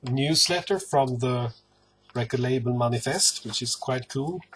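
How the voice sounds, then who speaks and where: A man from northern Sweden with a Swedish accent, talking casually to camera about his record collection in an unhurried, hesitant way full of pauses. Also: medium pitch, fairly bright tone, slight background noise.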